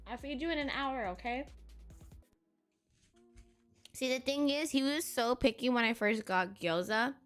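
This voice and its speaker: A woman streamer of Filipino heritage rambles to her chat in a high, sharp, bright voice. She talks bluntly and swears freely, laughing often. Faint music plays under her voice. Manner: blunt and profane, frequent laughter. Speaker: live streamer. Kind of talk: casual live-stream chat.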